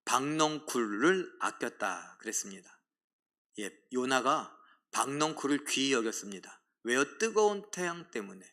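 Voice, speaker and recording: A man's voice: medium pitch, sing-song, measured pace, bright, forceful tone. A middle-aged man preaching a sermon as pastor, dramatically acting out complaints and leading a congregation in reading scripture aloud.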